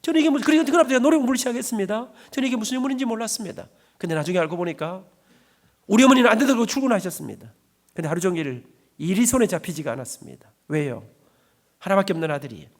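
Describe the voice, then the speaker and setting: A middle-aged man, a church elder, telling his life story in a dramatic, emotional sermon testimony in a church. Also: high-pitched.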